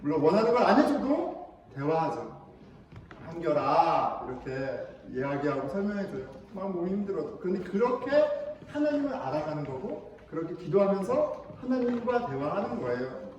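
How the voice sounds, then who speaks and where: A male pastor giving an animated, playful children's sermon in a church, acting out whining kids now and then. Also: high voice, a little fast. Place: church sanctuary. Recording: echoey hall from far off, faint noise.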